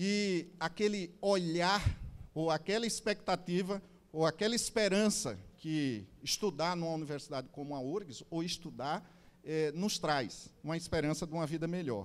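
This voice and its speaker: A man with a Brazilian accent, high-pitched, fairly slow, with ordinary pitch variation. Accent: non-southern Brazilian accent, noticeable. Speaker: university professor and institute director. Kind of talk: opening address at a conference.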